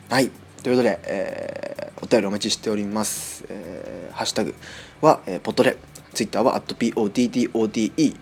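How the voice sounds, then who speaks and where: A man talks quickly on his own podcast, his pitch jumping up and down as he chats. He fills his sentences with little fillers and pauses. Faint music plays behind him. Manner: chatty, many fillers, lively rising and falling pitch. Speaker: podcast host. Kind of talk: casual solo podcast talk.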